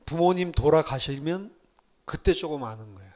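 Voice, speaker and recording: Animated Korean pastor, slightly high voice. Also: male voice, moderate pace. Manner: animated storytelling with laughs. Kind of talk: sermon. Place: church.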